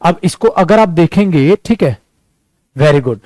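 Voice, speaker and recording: Man, Indian accent, English teacher, slightly high voice, very unhurried, dry close sound. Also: animated, a little mellow, no room sound. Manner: addresses students as dear and son, repeats words for drill; slows to a careful crawl for English example sentences. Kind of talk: online spoken-English class.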